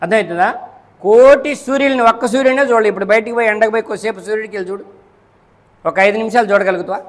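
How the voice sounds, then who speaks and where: A man's voice: sits high, rapid-fire. A man giving a Friday sermon as a preacher, asking rhetorical questions, checking that his listeners follow, repeating and counting off his points. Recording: long echo of a large hall.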